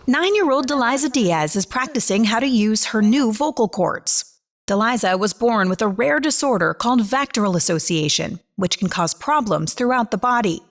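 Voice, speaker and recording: A woman news reporter narrating a feature story in a measured, even way. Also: fairly high pitch.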